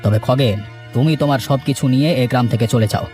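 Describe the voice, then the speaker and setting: A man playing a stern, righteous village gentleman in a cartoon moral story, speaking with reassuring authority. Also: mid-range voice, quick pace, faint music behind, natural voice. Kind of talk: Bengali moral cartoon dubbing.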